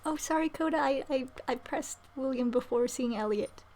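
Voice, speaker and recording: Female game streamer, fairly high voice, casual live commentary with faint noise behind. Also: moderate pace, a little mellow.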